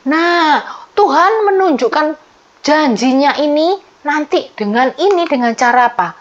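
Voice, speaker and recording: A woman Sunday school teacher from Surabaya with an Indonesian accent, telling a Bible story to children in an animated way, often asking them questions and acting out the characters' words. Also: high-pitched, unhurried. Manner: acts out characters' speech in the story. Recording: slightly dull lo-fi sound.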